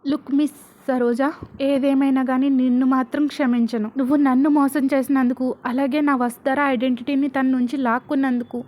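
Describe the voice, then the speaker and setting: An enraged, possessive young man who shouts and sneers, read by a woman storyteller. His cutting, scornful words come in a high voice. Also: flat delivery, brisk, close to an everyday voice. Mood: furious.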